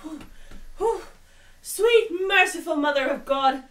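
A woman's voice: very high-pitched, animated, slow, recorded from a distance, slight background noise, exaggerated voice. An actress playing a brassy young woman in labor, panting and scolding the men around her. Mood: exasperated. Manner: brassy, bossy, out of breath. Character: Mary, young woman in labor, sharp-tongued.

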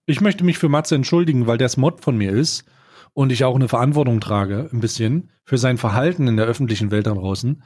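A man's voice: medium pitch, brisk, darkish tone, no echo, studio quality. Ironic mock-formal male co-host. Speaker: podcast co-host. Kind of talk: casual chat.

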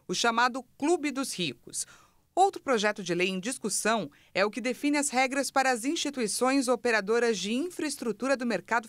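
A woman in her thirties, a news anchor, reading scripted news reports in a smooth, measured way. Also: fairly high pitch, a bit bright, no echo.

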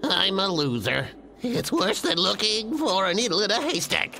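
A man's voice: high voice, big pitch swings, normal speed, vocal fry, a little hiss or hum, exaggerated voice. A man voicing a scheming, hapless cartoon lumberjack, exclamatory and swinging between gloating and whining. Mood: frustrated, self-pitying. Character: scheming, excitable, hapless adult male lumberjack selling chestnuts. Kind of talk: exaggerated cartoon dub acting. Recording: loud music behind the voice.

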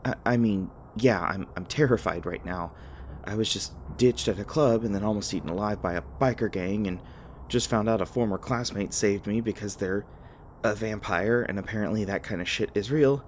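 A man's voice: lowish voice, moderate pace, a little hiss or hum, lightly acted. Jittery, stammering young man, acted out. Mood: overwhelmed. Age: young adult. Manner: nervous, stammering, rambling. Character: jittery, rambling young human man rescued by a vampire. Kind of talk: audio roleplay acting, addressed to the listener.

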